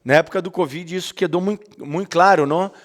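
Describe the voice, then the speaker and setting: A man delivers a sermon, sliding freely into words. His voice sits a touch high. He keeps it conversational, ironic asides and constant questioning tags aimed at the listeners. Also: quick pace. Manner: mixes Portuguese and Spanish, ironic asides, rhetorical "não?" tags. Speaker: preacher.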